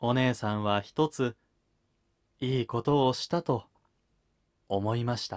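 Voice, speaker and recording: The background stays quiet as a man speaks fairly slowly. His pitch varies in an ordinary way, and he takes long, frequent pauses. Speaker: voice actor. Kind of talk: story reading. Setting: home recording. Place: home room.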